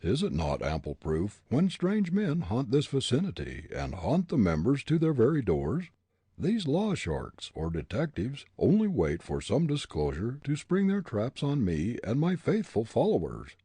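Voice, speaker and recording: A blustering smuggler captain, stern and demanding, as a male reader voices him, a few steps above the narrator's pitch. The voice is husky and dark, read close and dry. A storybook villain. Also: wildly swooping pitch, unhurried, no echo, full character voice. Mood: accusing.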